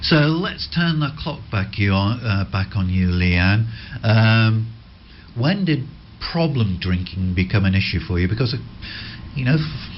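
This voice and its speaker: A man's voice: on the low side, animated, unhurried, a little hiss or hum. Man hosting a radio interview, dull lo-fi. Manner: gentle, rambling questions with restarts. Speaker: radio host. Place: radio studio.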